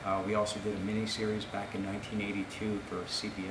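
Clear background noise sits behind speech delivered at a moderate pace. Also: man.

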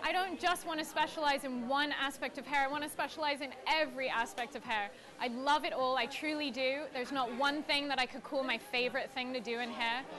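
Over noticeable background noise, a woman with a southern English accent uses a raised, projected, high voice, speaking at a fairly quick pace with hardly any pauses and fairly even intonation. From England (Brighton). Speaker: hairdresser, cosmetology student. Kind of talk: competition audition video to camera. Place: shop.

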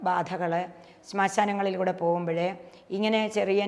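A woman speaks at a medium pitch. Noticeable background noise sits behind her. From Kerala, India. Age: 70s. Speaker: spiritual teacher. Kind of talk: spiritual discourse answering a question.

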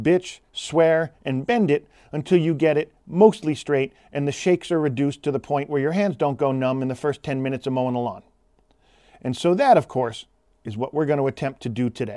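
A dark, mellow tone at a fairly quick pace with ordinary pitch variation over a quiet background. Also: man. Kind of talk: casual tutorial talk to camera. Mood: wry, humorous storytelling. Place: workshop. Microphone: phone near.

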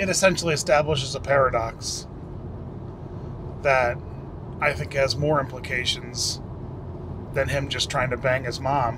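A man at a moderate pace with ordinary pitch variation and long, frequent pauses, over noticeable background noise. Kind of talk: casual vlog chat. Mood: joking, relaxed banter. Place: car. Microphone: lapel.

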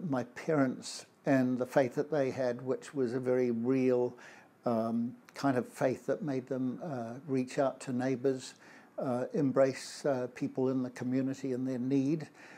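A man speaks with a dark, mellow tone at medium pitch. His pace is fairly slow, and his intonation is fairly even. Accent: New Zealand. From New Zealand, Auckland. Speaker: physicist; interviewee. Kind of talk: interview about faith. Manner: hesitant with frequent fillers. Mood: warm, reflective. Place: office. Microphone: lapel.

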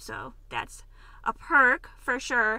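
A woman's high-pitched voice has a bright, sharp tone. The sound is dry with no echo. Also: quiet background. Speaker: travel vlogger. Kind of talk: casual vlog chat. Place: car. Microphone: phone near.

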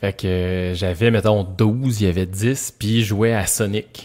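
Music plays behind a man with a fairly low pitch. He talks at a fairly slow pace with fairly even intonation. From Quebec, Joliette. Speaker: podcast host. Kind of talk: casual chat.

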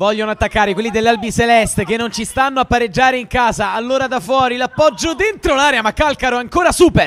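A man's extremely high voice at a very fast pace, with ordinary pitch variation, hardly any pauses and noticeable background noise. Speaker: football commentator. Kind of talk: live sports commentary, clipped play-by-play over match highlights. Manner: fast, breathless, excitable.

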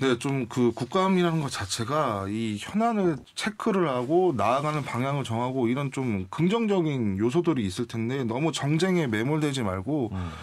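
Medium in pitch, a man talks at a moderate pace with hardly any pauses. His pitch swings very widely. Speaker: local newspaper reporter. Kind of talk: radio panel discussion. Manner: halting, many fillers. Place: studio.

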